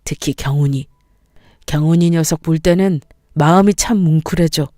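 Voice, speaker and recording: A woman's voice: deep voice, moderate pace, warm tone, dry recording, studio quality, lightly acted. A woman voicing a hardworking husband and father who talks affectionately about his family, in a storybook. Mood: tender. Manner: affectionate, cheerful talk.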